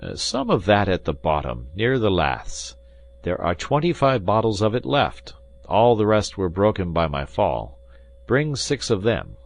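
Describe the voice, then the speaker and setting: A man's voice: fairly low pitch, big pitch swings, measured pace, voice pushed up. A man voicing a proud, hard-drinking musketeer who talks in a commanding, dry and ironic way. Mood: wry. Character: world-weary drinking male musketeer, proud and sardonic. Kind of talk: audiobook character reading.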